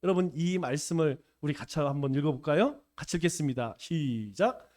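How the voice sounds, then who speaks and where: A man's voice: a little high, lively intonation, a little fast, a little mellow. A male pastor with a Chungcheong accent, preaching a folksy sermon and acting out little dialogues. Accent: Chungcheong Korean. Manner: folksy, playful, acts out dialogues.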